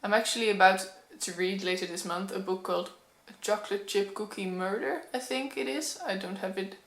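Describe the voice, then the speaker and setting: A woman's voice: medium pitch, a little fast, a bit bright. A young woman from the Netherlands with a Dutch accent, chatting candidly to a camera at home, a little nervous and with frequent ums. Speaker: book vlogger. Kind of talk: casual talking-to-camera vlog. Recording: echoey room.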